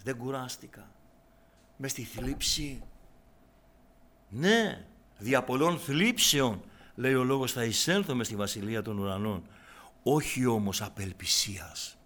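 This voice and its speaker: A man preaching a sermon, moving from soft, hushed prayer to loud, impassioned exhortation. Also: on the low side, husky.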